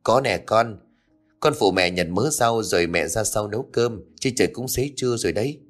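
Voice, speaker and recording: A man voicing a meek, patient young mother who speaks softly and holds back tears. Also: on the low side, moderate pace, faint music behind, close to an everyday voice. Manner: soft, meek, restrained.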